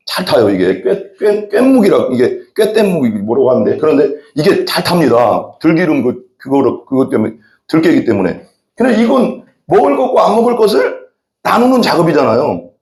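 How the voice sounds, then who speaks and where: A man's voice: on the high side, a little mellow. A middle-aged man preaching a sermon as a pastor, telling rambling folksy stories from the pulpit. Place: church sanctuary. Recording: echoey church hall.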